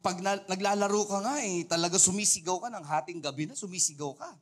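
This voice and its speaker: Joking pastor with a higher voice. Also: male voice, fast. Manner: playful, joking and quizzing the audience. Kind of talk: preaching a sermon to a congregation. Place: church service.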